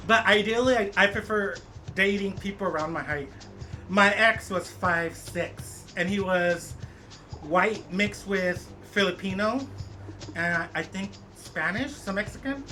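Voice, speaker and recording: A man in his late thirties, a streamer casually chatting with viewers while cycling and gaming, rambling and halting with many fillers. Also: high-pitched, music in the background. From United States.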